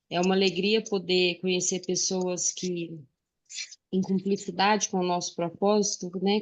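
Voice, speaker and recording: A Mineira woman in her 40s from Uberlândia, Minas Gerais, Brazil, speaks at a mid pitch over a video call. She's a guest speaker sharing a personal testimony in a friendly chat, earnest and pausing often with little "é" and "né" fillers.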